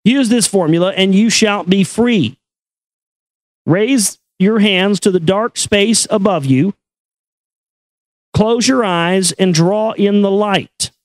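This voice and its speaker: A man giving a solemn, measured reading of an esoteric text in an incantatory, deliberate manner. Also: high-pitched, no room sound. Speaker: reader and commentator. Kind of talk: solemn recitation of an esoteric text with brief asides.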